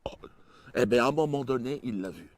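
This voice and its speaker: A man performing a stand-up comedy routine in a crude, mocking way, jumping suddenly in pitch and loudness. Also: fairly quick, dry recording.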